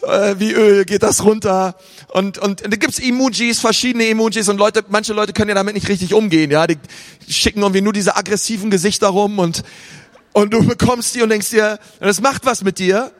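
A man's voice: high voice, steady tone, a little fast, fairly bright tone. A man preaching a sermon in a casual, conversational way, acting out the thoughts of his listeners. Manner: casual, conversational, acts out inner voices. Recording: reverberant hall.

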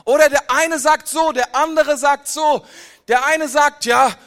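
A male pastor preaches in a high, bright, forceful voice. He talks to his listeners with rhetorical questions and casual asides. For key points he sinks low and soft. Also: fairly even intonation, unhurried. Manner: pitch and volume drop low for emphasis. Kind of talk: sermon.

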